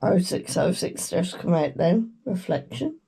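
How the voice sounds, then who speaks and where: A woman with a British accent, croaky from a cold, giving a slow, meandering tarot reading with murmured chants. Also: lowish voice, sing-song, dark tone. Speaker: tarot reader. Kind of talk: casual tarot reading chat.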